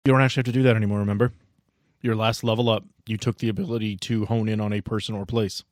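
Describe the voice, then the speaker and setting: A man's voice: on the low side, level tone, rapid-fire, no room sound, studio quality. A man running a tabletop game as game master, recapping the story with playful, teasing asides.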